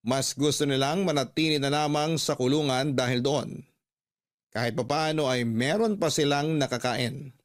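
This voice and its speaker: A man narrating in the first person as a father newly out of prison, in steady, reflective scripted radio drama storytelling. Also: medium pitch, moderate pace, close to an everyday voice. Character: ex-prisoner father narrating his own letter. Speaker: narrator of a letter.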